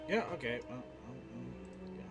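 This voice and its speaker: A man doing a comedic script read on a podcast, halting and stumbling over lines. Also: medium pitch, animated, over loud music. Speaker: podcast cast member. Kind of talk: comedic character read with casual asides.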